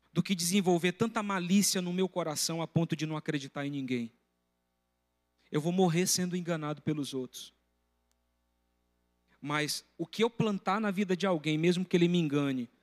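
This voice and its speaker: A high-voiced pastor in his middle years delivers a sermon from the pulpit. He tells stories from his own life and speaks with animated energy. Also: normal speed, long pauses, soft background music. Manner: storytelling, breaks into loud shouting when retelling a confrontation.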